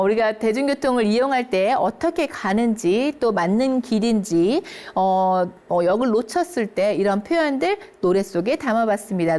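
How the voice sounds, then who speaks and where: Encouraging woman teaching English phrases. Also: a little high. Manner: lively, encouraging, keeps checking in with listeners; reads English phrases slowly and clearly. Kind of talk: English lesson for seniors.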